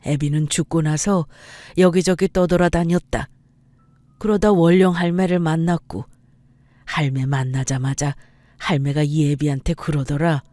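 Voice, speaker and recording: Woman putting on a low, slow ghost dad, soft and regretful, storybook vibe. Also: steady tone, no room sound. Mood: earnest. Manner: slow, tender, fatherly. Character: dead old father, gentle, regretful.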